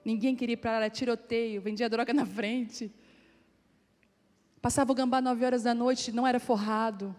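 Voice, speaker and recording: A woman pastor giving a lively sermon, telling personal stories and acting out the voices of the people in them. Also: a little high, moderate pace. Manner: animated storytelling, acting out quoted voices. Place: church meeting hall. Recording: long hall reverb, faint music.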